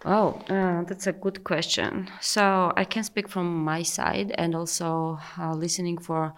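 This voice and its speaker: A woman with a Georgian accent talks on an informal panel as a farmer. Her pitch is low, and fry runs through the voice. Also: flat delivery, measured pace. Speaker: farmer and project ambassador.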